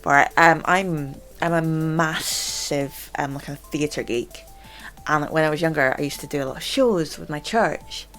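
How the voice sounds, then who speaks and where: Low-voiced woman who stammers. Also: a little slow, a bit bright, soft background music. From Scotland. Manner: stammers, with repeated words and fillers. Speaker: channel host. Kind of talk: casual vlog chat.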